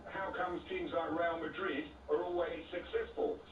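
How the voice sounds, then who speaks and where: Noticeable background noise sits under this recording. The man talks at a fairly slow pace. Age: 60s. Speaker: caller, football fan. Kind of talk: radio phone-in.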